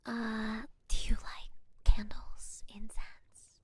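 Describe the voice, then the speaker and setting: A woman playing a gentle, reassuring witch healer in a soft-spoken ASMR roleplay, breathy and soothing, close to the microphone. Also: a little high, completely flat delivery, no room sound, exaggerated voice. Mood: soothing, attentive. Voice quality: breathy, mostly whispered. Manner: slow, soothing, hesitant, repeats reassurances.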